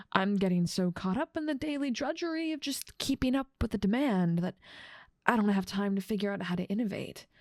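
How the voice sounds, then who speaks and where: A woman's voice: mid-range voice, creaky, a little mellow, no room sound, clean studio sound. A woman voicing a dominant demon ruler of hell in an ASMR roleplay, teasing, condescending and self-assured.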